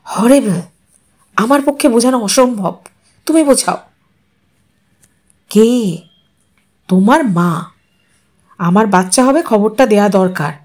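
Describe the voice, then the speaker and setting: A brisk, dismissive modern wife in an audio story, voiced by the woman narrating. Her tone is cool and matter-of-fact, and she sounds impatient with old ways. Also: mid-range voice, animated, a little mellow.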